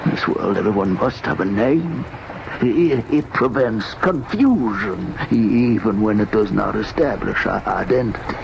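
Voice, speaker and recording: A tormented older man in an old radio horror play. His voice is gravelly and creaky, his words halting and repeated. The recording is dull and heavily covered in noise. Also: on the low side, expressive. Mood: weary, brooding. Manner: halting, repetitive, dramatic.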